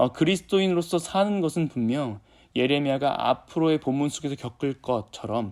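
In a very clean recording with a silent background, a man with a fairly high voice speaks with lively intonation. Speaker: preacher. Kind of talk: sermon. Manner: frequent filler 'eo' hesitations.

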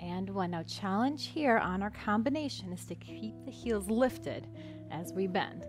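A woman talks at a fairly slow pace over clear background music. The sound is dry with no echo. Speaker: fitness instructor. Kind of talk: workout instruction.

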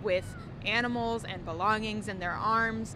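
A woman speaks in a dry sound with no echo, against noticeable background noise. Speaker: TV field reporter. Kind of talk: live news report. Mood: serious, measured. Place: street. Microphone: handheld.

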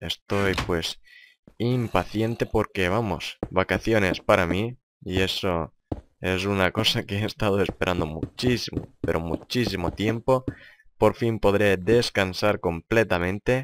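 A man with a fairly low pitch talks at a fairly slow pace with ordinary pitch variation, in a dry, close sound with no echo. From Lithuania. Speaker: gaming youtuber. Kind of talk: gameplay commentary.

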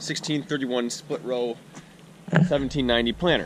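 A man speaks at a moderate pace with a fairly bright tone and audible room echo.

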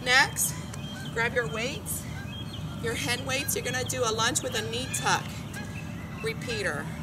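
The speech moves at a very slow pace. Loud background noise runs behind it. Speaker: fitness instructor. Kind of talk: guided group workout class. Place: open country.

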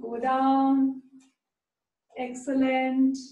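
A woman speaks very slowly in a high pitch with a soothing, gentle tone that is dark and mellow. There is audible room echo, but the background is quiet. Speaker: yoga instructor. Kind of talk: guided yoga class, calm step-by-step instructions. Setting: video call. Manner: soothing, slow, gentle, encouraging, with short commands and pauses for breath. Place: hall. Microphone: video call.

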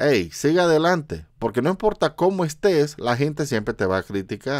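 A man talks at a fairly slow pace, his pitch swinging very widely. The background is quiet. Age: 40s. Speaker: YouTuber; YouTuber, streamer. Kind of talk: casual vlog monologue; casual vlog chat. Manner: halting, many fillers. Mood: earnest, motivational. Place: home room. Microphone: webcam.

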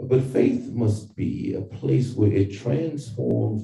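Music plays behind a man whose intonation is lively. He speaks at a very slow pace, and the room echo is audible. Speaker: preacher. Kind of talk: sermon. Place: church.

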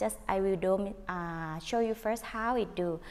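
A fairly slow delivery in a Thai accent, with ordinary pitch variation. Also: woman. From Thailand. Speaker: yoga teacher. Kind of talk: guided yoga class with soothing guided meditation and breathing cues. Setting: online video yoga class. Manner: slow, soft, calm and gentle. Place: hall.

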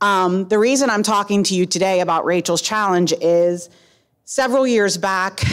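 A woman's medium-pitched voice in an American accent, at a moderate pace, with ordinary pitch variation, very even loudness and a quiet background. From US, western Pennsylvania. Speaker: teacher; presenter. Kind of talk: public comment at a school board meeting. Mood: earnest, enthusiastic. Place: hall.

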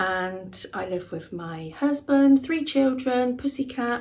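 A somewhat breathy voice at a fairly slow pace. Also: woman. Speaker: craft podcast host. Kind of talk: casual vlog chat. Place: home room. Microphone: camera far.

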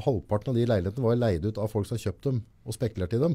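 Against a quiet background, a man talks in a medium pitch with a dark, mellow, somewhat breathy tone and ordinary pitch variation. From Norway. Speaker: podcast host. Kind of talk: casual interview. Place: studio. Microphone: studio mic.

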